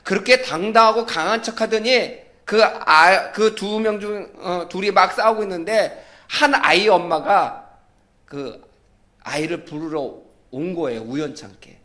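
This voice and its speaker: High-voiced man preaching a sermon. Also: a little slow. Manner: lively storytelling, acting out the people in his stories. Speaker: pastor.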